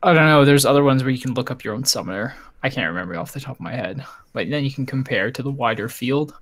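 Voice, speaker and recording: Regular-pitched guy chatting casually on a gaming podcast, laid back. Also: lively intonation, fast talker, a bit bright. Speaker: podcast co-host.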